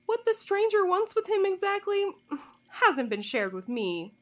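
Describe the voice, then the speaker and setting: An actress voices a smug woman who holds secrets and enjoys it. Her voice sits high and swoops widely in pitch. She teases and condescends with a theatrical drawl, coolly taunting those who question her, in the manner of audio drama. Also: very animated, measured pace, full character voice. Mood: coy, condescending.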